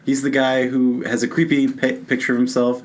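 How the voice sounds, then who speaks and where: A man's voice: medium pitch, completely flat delivery, a little fast, slight background noise. A man co-hosting a podcast, explaining film and TV details in an informal, chatty way. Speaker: podcast co-host. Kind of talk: casual film and TV chat.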